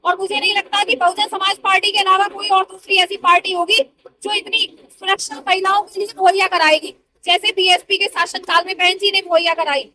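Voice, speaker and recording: A woman's voice: very high voice, level tone, brisk, sharp tone, rough recording. A woman in her thirties, a party worker answering interview questions in an earnest, persuasive way. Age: 30s.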